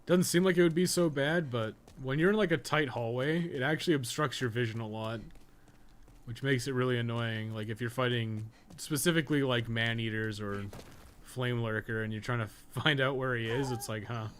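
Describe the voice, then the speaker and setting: A man's voice: mid-range voice, normal speed, slight background noise. A man giving casual, rambling live commentary while playing a video game, with some swearing and self-amusement. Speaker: video game streamer and podcast co-host.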